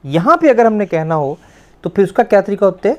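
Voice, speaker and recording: A man teaching a language lesson, explaining step by step, repeating words slowly and quizzing a student. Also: high-pitched, very animated, highs cut off.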